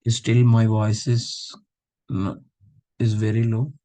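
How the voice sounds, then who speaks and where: A man's voice: mid-range voice, monotone, slow, warm tone. A man teaching a live online class over a video call, who keeps stopping with fillers to check that his students understand. He says he is not feeling well. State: unwell, voice low. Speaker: instructor.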